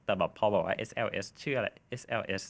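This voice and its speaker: A man's voice: lowish voice, rapid-fire, gravelly. A man co-hosting a podcast, chatting loosely with lots of fillers. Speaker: podcast co-host. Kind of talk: casual chat.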